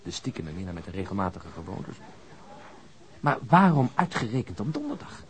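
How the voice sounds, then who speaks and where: A man's voice: deep voice, very animated, moderate pace. A man acting as a wry, easygoing police detective in a naturalistic radio drama, conversational and drily teasing. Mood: musing.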